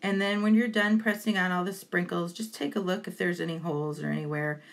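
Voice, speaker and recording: A woman narrates an informal how-to voice-over. Her pitch sits quite low and often drops into vocal fry. She is chatty and encouraging, explaining each step as if to a beginner. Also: steady tone, a little fast. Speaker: baking tutorial host.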